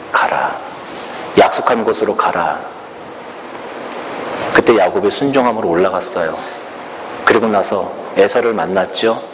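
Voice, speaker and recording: A man preaching a sermon slowly and earnestly, asking the congregation rhetorical questions. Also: low-pitched. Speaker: pastor. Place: church sanctuary. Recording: reverberant church hall with faint room noise.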